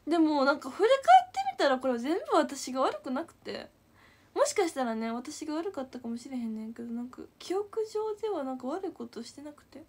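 A young woman in her twenties with a Kansai accent, telling a story to viewers in an animated, giggly way. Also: sits high, fairly quick. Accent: Kansai Japanese. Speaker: idol livestreamer.

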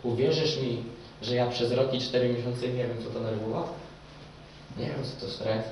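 A young man preaching a sermon to a live audience in a church hall, swinging between loud excited storytelling and hushed, intimate passages. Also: medium pitch, moderate pace, a little hiss or hum. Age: young adult. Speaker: evangelist preacher. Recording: very echoey hall, speaker far from mic.

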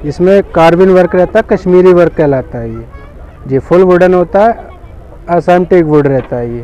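A man's voice: sits high, normal speed, highs cut off. A man selling handicrafts at an expo stall, politely explaining his goods to a customer and often saying "sir ji". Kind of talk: sales pitch to customer. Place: indoor expo stall in a large tent.

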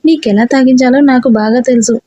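A woman's voice: high voice, a little fast, mellow, no echo. A woman reading a story aloud and voicing a bossy, irritable young man who scolds the heroine. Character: gruff bossy young man, a rowdy hero.

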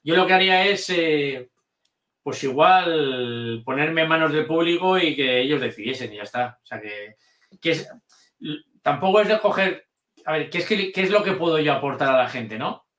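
A man, a guest in a casual interview chat, hesitant and halting. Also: on the high side, expressive, a bit bright, reverberant. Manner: hesitant, full of restarts and fillers. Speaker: guest, channel manager.

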